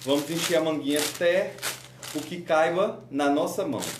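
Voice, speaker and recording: A man talks in a fairly high voice, with noticeable noise in the background. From Brazil, Fortaleza (Ceará). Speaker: cake decorator teaching a class. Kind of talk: online tutorial. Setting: live online class. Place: kitchen. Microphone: phone near.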